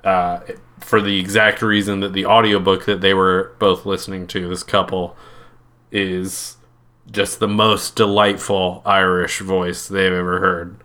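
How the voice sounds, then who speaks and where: A man's voice: sits low, unhurried. A young man co-hosting a podcast with his mother, chatting playfully and joking. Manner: playful, jokey, animated asides. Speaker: podcast co-host. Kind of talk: casual chat.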